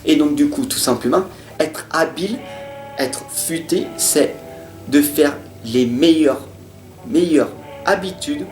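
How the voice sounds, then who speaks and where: A man giving a monthly horoscope reading from tarot cards, talking in an earnest, repetitive motivational way, stuttering at times and swinging between loud and soft. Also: a little high, slow. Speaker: tarot reader. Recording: roomy sound with faint guitar music.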